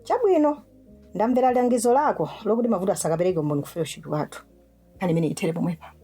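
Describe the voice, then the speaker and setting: A woman's voice: mid-range voice, rapid-fire, mellow, breathy edge, soft background music, natural voice. An actress playing a trusting, pious young churchwoman in a radio drama, with a Malawian accent. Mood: indignant. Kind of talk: vernacular radio drama acting.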